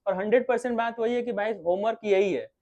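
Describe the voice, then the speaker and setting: A man's voice: sits high, quick pace, dull audio. Man teaching an acting class casually. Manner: relaxed, repetitive explaining with many fillers. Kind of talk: online class with students.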